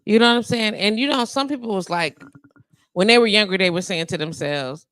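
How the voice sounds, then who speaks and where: A woman's voice: medium pitch, lively intonation, a little fast, a bit bright, no echo, poor audio. A woman in her forties hosting a live radio show, talking casually and rambling with asides and laughs into a studio microphone. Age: 40s.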